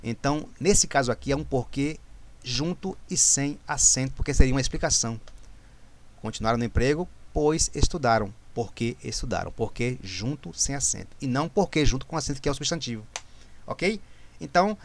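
A man's voice: medium pitch, animated, a little fast, slight background noise. A man, talking through exam grammar questions as a tutor, repeating himself and correcting his own slips. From Brazil. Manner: explanatory, repeats and self-corrects, frequent "né?".

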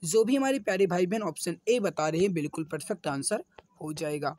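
A man with a slightly hoarse throat teaching exam questions online, repeating himself and addressing viewers as dear friends. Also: high-pitched, brisk, a little mellow. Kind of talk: online quiz lesson with answers explained.

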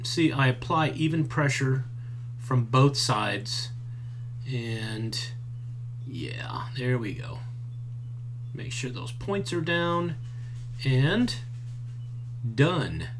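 Slow, easygoing middle-aged man. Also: mid-range voice, noisy background. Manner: relaxed and chatty, many fillers. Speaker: maker teaching a craft. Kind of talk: hands-on tutorial. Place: indoors at a workbench, later outdoors by a farm fence.

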